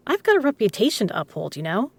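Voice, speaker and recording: A woman's voice: mid-range voice, wildly swooping pitch, fast talker, gravelly, slightly rough, no room sound, full character voice. A woman playing a tough, teasing poker club owner with a dry, casual manner in an audio drama. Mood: reassuring, candid. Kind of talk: scripted audio roleplay spoken to the listener.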